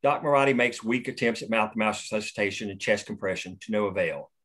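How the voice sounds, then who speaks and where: A man reading the stage directions aloud at a script table read in a steady, plain way. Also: lowish voice, fast.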